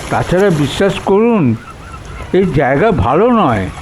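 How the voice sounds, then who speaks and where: Audio drama bit part: actor as a high-pitched, wary boatman, deferential and cautioning, amid clear water noise. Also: very animated, measured pace. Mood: wary warning. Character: wary village boatman, warning strangers. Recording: noisy water and boat ambience.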